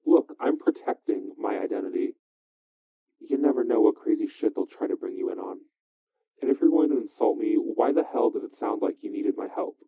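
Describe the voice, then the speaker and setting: A man's voice: lowish voice, lively intonation, fairly quick. An actor playing a prickly, secretive conspiracy theorist in an audio drama, his voice disguised by a cheesy retro computer filter. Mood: defensive. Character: guarded male conspiracy hacker, paranoid, prickly, secretive. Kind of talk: audio drama phone dialogue. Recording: tinny, band-limited phone-like filter.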